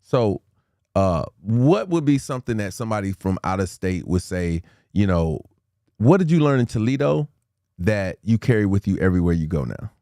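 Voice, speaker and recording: Low-voiced man hosting a livestream. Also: big pitch swings, mellow, no echo, clean studio sound. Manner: playful, hypes the audience, drops into quick freestyle rhymes. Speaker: livestream host. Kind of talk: casual livestream talk.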